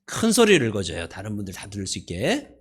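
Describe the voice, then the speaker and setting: A man's voice: fairly low pitch, wildly swooping pitch, quick pace, husky. A male pastor giving a sermon in a church, conversational and playful, often asking the congregation questions. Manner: playful, laughs at his own jokes. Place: church sanctuary.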